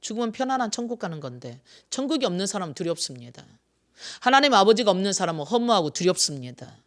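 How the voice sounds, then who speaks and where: Medium in pitch, sing-song, and fast-talking, a pastor in their sixties preaches on Sunday, firing questions at the congregation. Key phrases recur repeatedly, first loud, then dropped into a soft aside.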